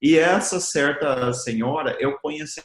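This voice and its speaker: A man's voice: a little high, measured pace, fairly bright tone. American guy preaching, not his first language, chatty sermon w/ lots of tag questions, echoey room. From United States. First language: English. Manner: conversational, often ends phrases with a tag question. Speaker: missionary preacher. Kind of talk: conversational sermon. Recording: roomy echo.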